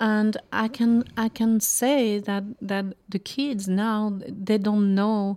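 In a French accent, a woman with a dark, mellow tone and fairly high pitch speaks very slowly with fairly even intonation, in a very clean recording with a silent background. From France, near Lyon. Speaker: teacher and guest on healing. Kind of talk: casual interview chat. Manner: halting, searching for words.

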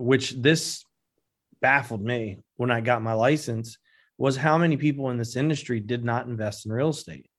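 The man's voice sits at a medium pitch and shows ordinary pitch variation. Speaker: real estate team leader. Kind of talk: casual interview. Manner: calm.

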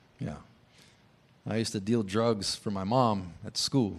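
Audible room echo surrounds a man with an American accent who speaks at a fairly low pitch and a moderate pace with ordinary pitch variation. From Oregon, US Pacific Northwest. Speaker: missionary preacher. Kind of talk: sermon.

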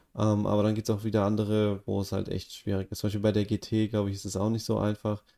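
A man's fairly low-pitched, dark, mellow voice at a very fast pace, flat and monotone, with hardly any pauses. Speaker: podcast co-host, community manager. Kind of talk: casual chat.

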